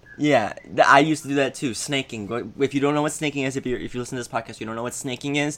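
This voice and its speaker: The talking is very fast. The background is silent, and the recording very clean. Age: young. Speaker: podcast co-host. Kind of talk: casual chat.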